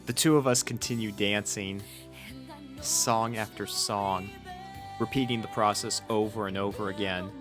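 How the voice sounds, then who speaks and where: A man's voice: on the low side, steady tone, a little slow. Earnest male story reader over faint music. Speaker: fan fiction reader. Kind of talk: scripted first-person story narration.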